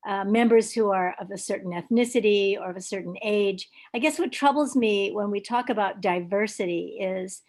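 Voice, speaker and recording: An older woman from Hawaii speaks at a meeting, halting and reflective, full of ums and self-corrections. Her voice sits at a middle pitch for a woman. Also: darkish tone. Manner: halting, many ums and restarts. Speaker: club member at a video meeting. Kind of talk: hesitant casual remarks.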